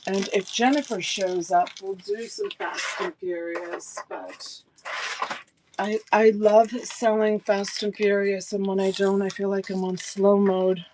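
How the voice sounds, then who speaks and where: A woman's voice: medium pitch, fairly even intonation, measured pace, noisy background. A woman in her early sixties chatting with viewers while selling jewelry live, laughing often and thanking buyers by name. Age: 60s. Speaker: live-stream jewelry seller. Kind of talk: casual live-selling chat.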